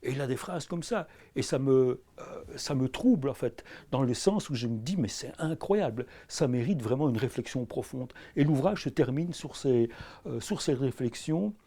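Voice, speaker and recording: A middle-aged anthropology professor with a Belgian French accent answers questions in a filmed interview, hesitating with many fillers and restarts. His mid-range, mellow voice has lively intonation at normal speed. He is recorded with camera crew sound.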